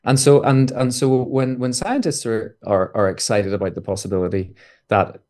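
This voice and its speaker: Low-voiced man, measured physicist guest. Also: steady tone, a little mellow. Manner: thoughtful, measured explaining. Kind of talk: casual interview talk.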